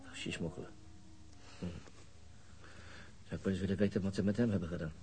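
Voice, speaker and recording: An actor playing a calm police colleague in an audio crime drama, musing aloud in an understated way. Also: male voice, low voice, brisk, faint music behind. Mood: pensive.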